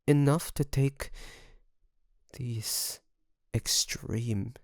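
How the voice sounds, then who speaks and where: A man playing an obsessive, doting kidnapper best friend in an intimate audio roleplay, creaky, coaxing and teasing with soft menace. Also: medium pitch, fairly even intonation, dry recording, clean studio sound. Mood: doting, controlling. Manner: softly menacing, coaxing, teasing, with drawn-out phrases.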